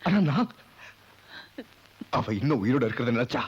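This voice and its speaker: A man's voice: mid-range voice, lively intonation, normal speed, husky, muffled recording. An actor playing a grown son who pours out bitter, anguished words about his birth mother. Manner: passionate, anguished outbursts.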